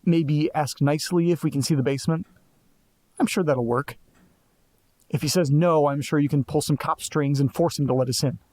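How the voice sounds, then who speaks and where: An actor playing a restless, sardonic young man in an audio drama, who keeps piecing clues together out loud. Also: a little high, dry recording, lightly acted. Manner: sardonic, restless, quick to jump to conclusions. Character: Nate, anxious young man chasing a mystery.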